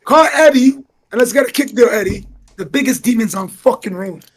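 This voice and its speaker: A hoarse man with a brash, boastful, slangy way of talking, trading banter on a rowdy live stream. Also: very high voice, fairly quick. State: hoarse, lost his voice. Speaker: guest rapper on a live stream.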